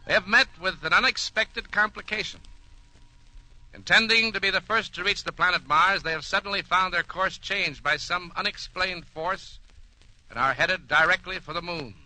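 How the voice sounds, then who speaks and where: A dramatic announcer from an old radio space serial. His voice is a little high and very forceful, telling the story with grave suspense while music plays behind him. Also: rough recording. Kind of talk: scripted narration, old radio drama acting.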